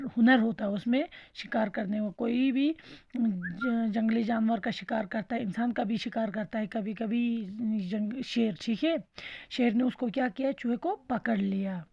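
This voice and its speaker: A woman schoolteacher talks young children through a lesson, explaining slowly and asking questions that she answers herself. Her voice is a little high, husky and gravelly. The recording is dry and dull, with a lo-fi sound. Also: no echo. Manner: keeps checking in with "theek hai", asks questions and answers them herself; explains slowly and simply, repeats points.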